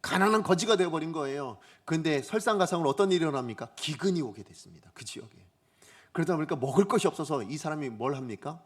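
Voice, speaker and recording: A man's voice: on the high side, lively intonation, fast talker. A man preaching a Sunday sermon as pastor, asking the congregation questions and acting out quoted voices. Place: church sanctuary.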